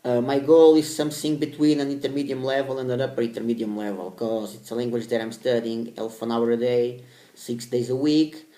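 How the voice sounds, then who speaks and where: Speaking a little fast in a warm, steady mid-range voice, a vlogger whose first language is Portuguese addresses the camera casually in English. He's hesitant and repeats himself, and the space echoes.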